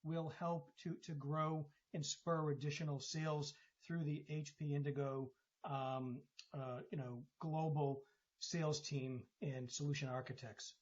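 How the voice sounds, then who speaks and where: Male executive, lighter higher register, measured stop-start answers, slightly lo-fi conference line. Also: flat delivery. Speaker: company executive. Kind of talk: explanatory answer on an earnings call. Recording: dull conference phone line.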